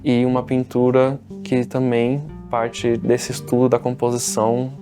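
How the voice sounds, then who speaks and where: A man's voice: medium pitch, monotone, measured pace, dark tone. A man in his thirties with a São Paulo Brazilian accent, talking about his work as an artist. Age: 30s. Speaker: painter. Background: music.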